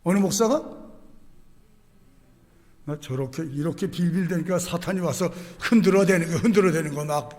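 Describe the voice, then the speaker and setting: A male pastor preaching a sermon, moving from quiet conversational asides to shouted declarations and firing rhetorical questions at the congregation. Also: on the high side, normal speed, pauses often. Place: church sanctuary. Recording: echoey church hall.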